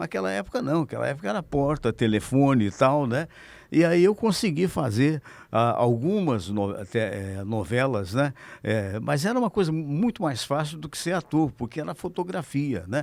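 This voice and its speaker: On a very clean recording with a silent background, a man with a fairly high pitch speaks at a moderate pace, his pitch swinging very widely. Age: 70s. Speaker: actor, writer and broadcaster. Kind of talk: casual chat. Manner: halting.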